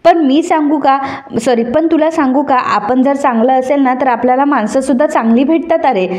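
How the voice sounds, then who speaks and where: Woman reading as a playful young wife in a storybook recap; high, soft tone, teasing. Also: normal speed, close to an everyday voice. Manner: chatty, teasing.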